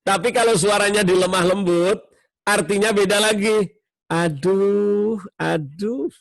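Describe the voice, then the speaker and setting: Guy preaching at a mosque, fairly high voice, warm explainer, acts out little tones. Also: steady tone, normal speed, no echo. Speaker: preacher at a mosque study circle. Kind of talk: sermon.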